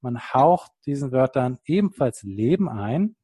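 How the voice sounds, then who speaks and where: A male podcast host talks through language-learning examples, rephrasing patiently for his guest. His voice sits at an average pitch and sounds close and dry, with little room around it. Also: big pitch swings, unhurried, warm tone, breathy edge, dry recording. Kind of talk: casual interview.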